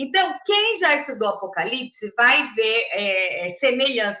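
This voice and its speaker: A woman's raised, projected voice, high-pitched with very wide pitch swings, at a fairly slow pace. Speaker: Bible study teacher. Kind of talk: bible study talk. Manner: animated.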